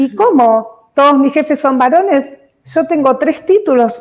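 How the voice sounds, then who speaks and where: Against a quiet background, the speaker moves at a fairly slow pace with ordinary pitch variation. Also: woman. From Argentina. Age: 40s. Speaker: university lecturer in computing education. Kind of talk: interview. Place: home room. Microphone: video call.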